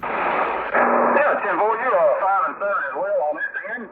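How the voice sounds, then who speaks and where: A man's voice: sits high, animated, measured pace. A folksy man with a Southern US accent, chatting in slang over a CB radio transmission. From Louisiana, United States. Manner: folksy, repeats catchphrases. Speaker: CB radio operator. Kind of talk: casual CB radio chat with slang. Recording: narrow, very noisy CB radio reception.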